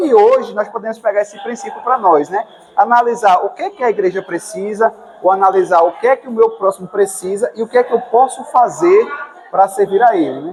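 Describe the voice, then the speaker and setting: With a Pernambuco accent, a man talks fairly quickly in a high voice with lively intonation over noticeable background noise. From Brazil, Pernambuco interior (Garanhuns). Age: 30s. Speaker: lawyer and church preacher. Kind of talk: interview about a sermon.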